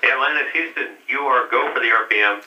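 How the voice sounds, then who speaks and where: A man's voice: medium pitch, a little fast, sharp tone, roomy sound, recorded from a distance. A man giving terse, procedural mission control calls over a crackly space-to-ground radio link. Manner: clipped, procedural. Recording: noisy lo-fi radio loop from afar.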